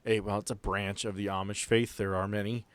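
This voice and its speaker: A man narrating a tabletop game as game master, setting scenes in a conversational, halting way. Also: fairly low pitch, little pitch movement, smooth, no echo.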